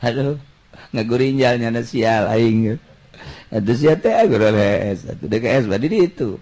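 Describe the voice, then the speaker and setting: A man's voice: mid-range voice, unhurried. A man preaching through humorous storytelling, colloquial and acting out dialogue as he goes. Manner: colloquial, animated shifts between character voices. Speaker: Islamic preacher.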